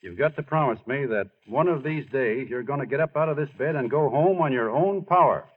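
A man's voice: medium pitch, expressive, fairly quick, breathy edge. A man playing a modest, earnest, bashful baseball star in a 1940s radio drama, speaking plainly. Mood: gentle, encouraging. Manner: plain-spoken, hesitant, understated. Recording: muffled old radio broadcast.

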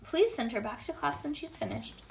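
Lady reading as a storybook teacher woman, calm and firm, bit of creak in the voice. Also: high voice, normal speed, a little hiss or hum, pitched above the performer's own voice. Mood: patient. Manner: instructing, reassuring. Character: calm, firm adult female schoolteacher.

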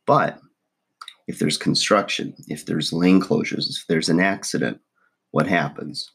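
A man talks straight to camera, his voice deep and rough with early-morning frogginess. He rambles through casual advice, stacking fillers and restarts as he thinks aloud. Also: unhurried, fairly bright tone. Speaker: vlogger giving relationship advice. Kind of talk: casual talking-to-camera monologue.

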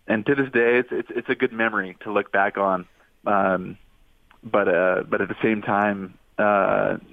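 A man's voice: fairly low pitch, dry recording. Man in his twenties on a tinny phone line. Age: 20s. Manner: halting, many restarts and fillers. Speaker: former quarterback guest. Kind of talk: casual radio interview call-in.

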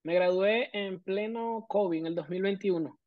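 A man's voice: sits high, normal speed, no echo, phone-quality sound. A man from Venezuela in his thirties with a Venezuelan accent, a guest explaining his career at length with many fillers. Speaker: guest prosthodontist. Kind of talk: casual interview.

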